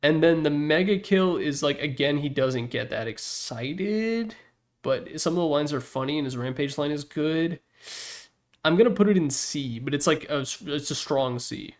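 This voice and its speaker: A man's voice: on the high side, lively intonation, normal speed. A man giving casual, opinionated commentary as the host of a ranking, talking in a rambling, blunt, slangy way. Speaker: host ranking video game announcer packs.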